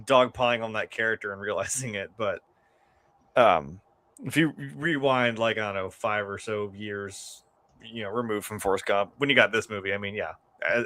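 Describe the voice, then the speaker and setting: Lowish voiced guy co-hosting movie banter, sarcastic and sweary, dry close audio. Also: pushed and bright, dry recording. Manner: sardonic, profane joking. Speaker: film review co-host. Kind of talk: casual film banter.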